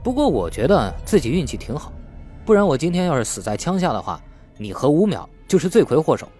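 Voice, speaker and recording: Lively, evasive young male suspect acted by a man. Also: on the high side, quick pace, breathy edge, faint music behind. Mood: sulky. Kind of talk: audiobook character dialogue.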